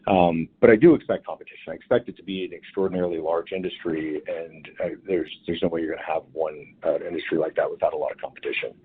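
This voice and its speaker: A male company executive answering analysts on an earnings call, talking in a halting way with many restarts and fillers. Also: sits low, fairly even intonation, breathy edge. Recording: phone line audio.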